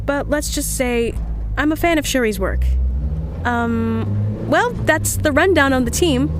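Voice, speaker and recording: A woman's voice: a little high, noisy background, natural voice. A woman playing a chatty, upbeat, scatterbrained young woman who rambles confidingly through a personal log in an audio drama. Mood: sheepish, breezy.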